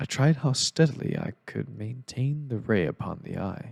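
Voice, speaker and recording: A somewhat breathy man's voice at medium pitch, with ordinary pitch variation and a moderate pace. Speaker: amateur narrator. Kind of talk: gothic horror story reading.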